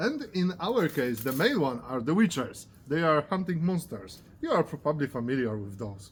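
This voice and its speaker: Somewhat breathy, with a Polish accent, the voice moves at a moderate pace through very wide pitch swings. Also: man, fairly high pitch for a man. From Poland. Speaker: property buyer client. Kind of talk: casual chat. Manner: animated.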